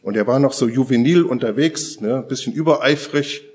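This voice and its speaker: A man preaching to a congregation at a church service, with a voice of ordinary middle pitch. He speaks earnestly in slow, deliberate phrases and often drops to a hushed, intimate murmur. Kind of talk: sermon.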